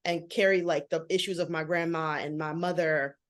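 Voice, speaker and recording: A woman in her thirties chats as an interview guest. Her voice sits a little low, and she talks fast and animatedly with lots of "like" fillers. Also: fairly even intonation. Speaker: guest, author and model. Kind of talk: casual interview talk.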